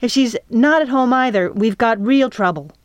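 A bossy, matter-of-fact young girl taking charge in a storybook, as a woman puts her on, pitched a bit above a woman's voice. The reading is close and dry. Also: normal speed, no echo, highs cut off, close to an everyday voice. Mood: firm. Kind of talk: audiobook character voice.

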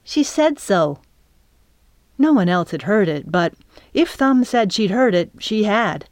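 A woman narrating a children's chapter book in a calm, measured reading. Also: mid-range voice, no room sound. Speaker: audiobook narrator. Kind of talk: scripted narration.

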